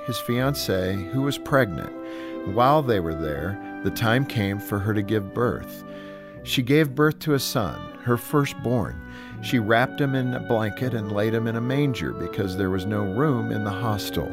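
A man hosting a devotional radio program, speaking and reading scripture in an earnest, encouraging way. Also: on the low side. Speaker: radio show host.

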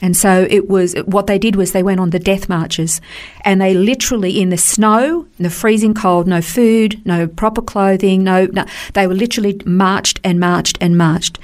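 A woman's voice: medium pitch, fairly even intonation, moderate pace, darkish tone. A woman teaching on a Christian radio program in an earnest, explanatory way, repeating words for stress. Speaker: Bible teacher.

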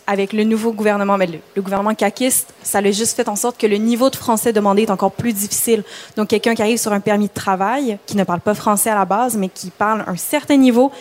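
Measured woman explaining. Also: mid-range voice. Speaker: panel guest, immigration professional. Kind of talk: explaining on a TV panel.

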